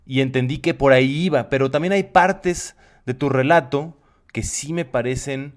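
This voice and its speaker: A man's voice: medium pitch, normal speed. A man in a thoughtful discussion, explaining reflectively and restating his phrases as he goes.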